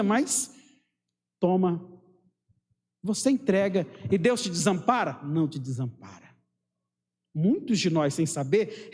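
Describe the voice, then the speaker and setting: A man's voice: on the high side, warm tone, big-room sound. A man with a Brazilian Portuguese accent preaching a fervent, emphatic sermon full of rhetorical questions. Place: church.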